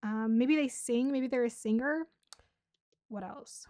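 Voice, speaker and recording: A woman doing a casual tarot reading to camera, chatty and bubbly, laughing often and a little hoarse from losing her voice. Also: on the high side, measured pace, warm tone, no echo, studio quality. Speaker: tarot reader.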